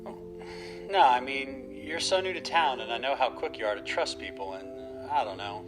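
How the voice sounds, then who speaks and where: An actor playing a worried, protective older father in an audio drama, gently cautioning and a little hesitant. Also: medium pitch, moderate pace, over music, lightly acted, rough recording. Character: worried, protective older dad, homebody tinkerer. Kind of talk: naturalistic audio drama acting.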